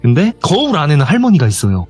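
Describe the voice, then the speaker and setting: A young man tells a true ghost story in relaxed, conversational speech. His husky voice rises and falls in lively swings, and he acts out each person he describes. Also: on the high side, quick pace, soft background music. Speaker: storyteller guest. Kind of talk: casual spoken horror story.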